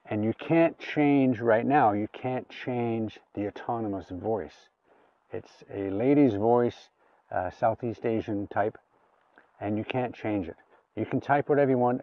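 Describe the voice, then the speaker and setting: A man's voice: on the low side, dry recording, far from the mic. A man giving a casual hands-on gadget demonstration, talking through each step aloud in an informal way. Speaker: gadget reviewer. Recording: phone-like, thin sound, off the mic.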